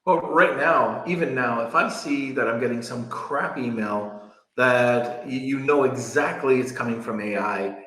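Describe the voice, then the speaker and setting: Joking podcast host in a roomy echo. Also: male voice, mid-range voice, measured pace, a bit bright. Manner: joking, laughs easily, self-deprecating. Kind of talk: casual podcast conversation.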